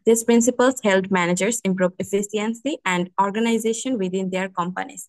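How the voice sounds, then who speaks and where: A woman with a Bangladeshi accent reads out a prepared speech in English. She goes very slowly and keeps one even level throughout. The sound is dry, with no room echo. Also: mid-range voice. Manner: flat, even intonation. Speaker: student giving a speech.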